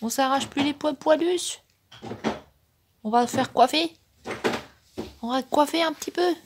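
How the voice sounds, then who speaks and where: A woman's voice: high voice, unhurried, noisy background. A woman vlogging casually at home, chatting to the camera and talking to her pets in a sing-song voice. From France. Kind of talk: casual vlog chat.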